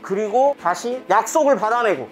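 A woman's voice: on the high side, expressive, normal speed, soft background music. A woman teaching history to a class of children, telling the story and quizzing the pupils as she goes. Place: school classroom.

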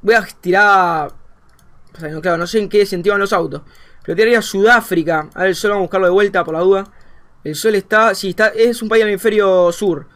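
Argentine man, high-pitched, excitable game commentary, thinks out loud. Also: brisk. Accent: Argentine Spanish. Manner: excitable, thinks aloud, swings from muttering to shouting. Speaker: streamer. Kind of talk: gameplay commentary.

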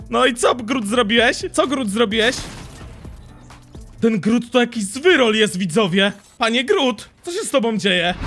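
A young man with a high, bright voice, narrating his gameplay in an excitable, jumpy way. He laughs often and his voice leaps up when something happens. Faint game music plays behind him. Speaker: gaming streamer.

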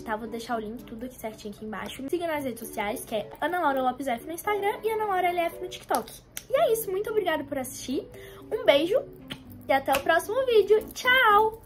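A young woman vlogger dramatically retelling a personal story to her viewers, acting out what people said. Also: sits high. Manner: dramatic, retells scenes in quoted voices; addresses viewers as "galera" and "gente". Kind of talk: animated storytime vlog.

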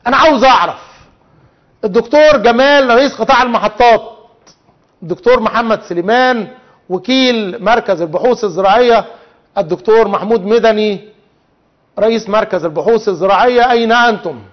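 A man's voice: sits high, brisk, pauses often. A man with an Egyptian accent hosting a television talk show, speaking in an indignant, rhetorical way and calling out officials directly. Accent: Egyptian Arabic. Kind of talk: televised monologue. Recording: dull lo-fi TV audio.

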